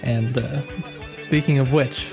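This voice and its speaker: A man's voice: medium pitch, steady tone, takes it slowly, vocal fry, music in the background. A man co-hosting a casual literary discussion, analysing in a tentative, hedging way. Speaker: podcast co-host.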